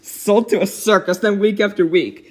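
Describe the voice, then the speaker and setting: A man voicing a cheerful young girl who reads a storybook aloud in an expressive, giggly way. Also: high-pitched, normal speed, close to an everyday voice. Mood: storytelling. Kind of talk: dramatic storybook reading with giggly asides.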